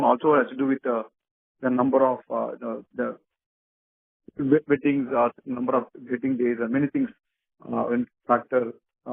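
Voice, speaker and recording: A man with an Indian accent speaking as a company executive, answering questions off the cuff in a halting, repetitive way with many restarts. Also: mid-range voice, creaky, breathy edge, no room sound. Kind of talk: unscripted earnings call answers. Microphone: telephone conference call. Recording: narrow muffled phone conference line.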